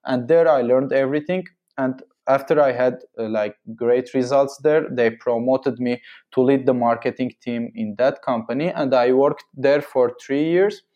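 Mellow man. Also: medium pitch, normal speed, highs cut off. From Syria. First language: Armenian and Arabic. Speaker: podcast guest, marketing agency founder. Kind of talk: casual conversational interview answers.

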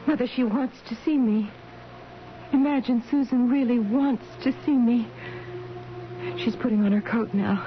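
A woman's voice: on the high side, normal speed, pauses often, lightly acted. An actress in a radio drama playing a frail, anguished middle-aged mother in a dreamy, yearning monologue. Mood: tender wonder. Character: frail, sick, anguished mother pleading with her own mother. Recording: dull lo-fi radio broadcast, music underneath. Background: music.

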